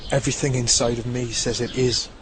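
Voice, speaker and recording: An actor playing an awestruck but self-assured male researcher in an audio drama, speaking in dramatic, halting phrases. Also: mid-range voice, flat delivery, noisy background, close to an everyday voice. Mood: hushed shock.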